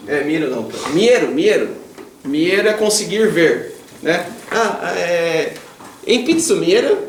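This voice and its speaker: A man's voice: on the high side, far from the mic. A man with a Brazilian Portuguese accent teaching Japanese grammar in an informal class. He is patient and chatty, asks the class questions, tags his sentences with a questioning "né?", and corrects himself mid-sentence. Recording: echoey room, voice away from the mic, faint background hum.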